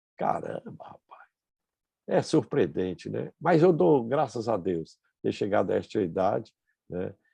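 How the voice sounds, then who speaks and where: Speaking at a fairly slow pace, a man with a dark, mellow tone and vocal fry swings his pitch very widely. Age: 70s. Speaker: poet. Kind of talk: casual chat. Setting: video call.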